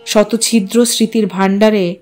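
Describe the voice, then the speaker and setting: A woman narrating a literary story in an expressive, measured, dramatic way. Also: medium pitch, faint music behind.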